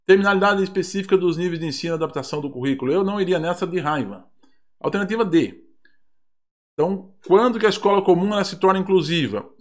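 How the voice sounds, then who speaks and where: A man's voice: high voice, fast. A man with a Brazilian Portuguese accent, a teacher reviewing mock exam questions in an online lesson, reading aloud with ironic asides.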